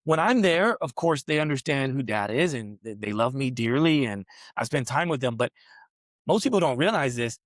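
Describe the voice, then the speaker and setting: A man's voice: medium pitch, lively intonation, moderate pace, no echo, clean studio sound. A man in his forties hosting a podcast, telling a long personal story in a rambling way and often tagging his sentences with "right?". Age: 40s. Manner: rambling storyteller, frequent "right?" tag questions. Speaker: podcast host. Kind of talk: casual interview conversation. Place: New York City, on a massage table.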